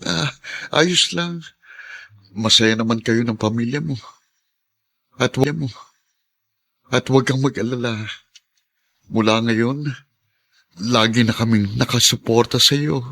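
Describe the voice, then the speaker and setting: A shy gay older brother in a radio drama. His voice sits at a medium pitch, and he speaks tenderly and apologetically, often stumbling over his words. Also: unhurried, creaky, pauses often, pushed and bright, full character voice. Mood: reassuring. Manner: hesitant, stammering. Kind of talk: Tagalog radio drama acting.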